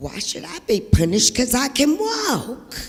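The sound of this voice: In a put-on character voice, a man projects at an extremely high pitch with very wide pitch swings. His pace stays moderate.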